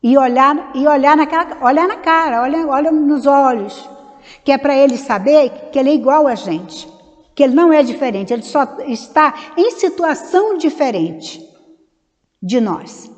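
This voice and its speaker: With a high, expressive voice and a moderate pace, the speaker at this Spiritist study meeting talks casually, wandering into tangents and playing out small dialogues. She is Brazilian and speaks with a Brazilian Portuguese accent, and her words echo with long reverb through the center's meeting hall.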